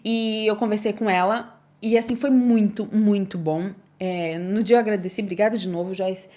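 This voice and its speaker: A woman's voice: mid-range voice, fairly even intonation, moderate pace, mellow. A young woman with a Brazilian accent, talking in a casual personal vlog, chatty and emotional, speaking straight to her viewers. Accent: Brazilian Portuguese. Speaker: vlogger.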